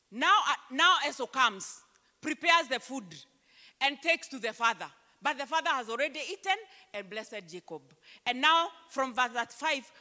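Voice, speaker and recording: A Kenyan woman pastor preaching a sermon into a handheld mic on a church stage, emphatic and slowing down to read scripture aloud. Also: sits high, bright, forceful tone. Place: church stage, large hall. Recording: long church hall reverb.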